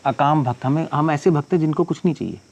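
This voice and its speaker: A man's voice: a little high, creaky, a little mellow, dull audio. Man giving a scripture talk. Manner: recites verses slowly, then explains in conversational speech mixed with English phrases. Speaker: monk teaching scripture. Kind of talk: scripture discourse.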